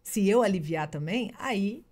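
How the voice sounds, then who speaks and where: Lively-voiced woman explaining parenting ideas. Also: medium pitch, a little slow. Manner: reflective, explains ideas, often tags "né?". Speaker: podcast co-host, parenting educator. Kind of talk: casual explanatory chat.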